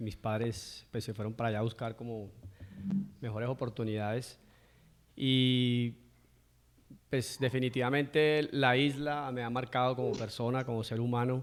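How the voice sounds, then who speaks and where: With an Antioquian accent, a man speaks at a medium pitch in a monotone, flat intonation. He leaves long, frequent pauses. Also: moderate pace. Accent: keeps Antioquian (paisa). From Colombia, San Andrés island (born in Medellín). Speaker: urban artist. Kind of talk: panel discussion. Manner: hesitant, many fillers.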